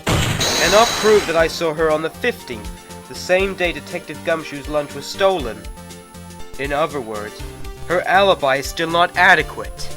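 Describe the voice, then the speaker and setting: A man's voice: fairly high pitch, animated, moderate pace, natural voice. A man in an English game fan dub playing a haughty, easily flustered young prosecutor in a formal, indignant, theatrical way. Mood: formal, smug. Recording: amateur dub under loud music.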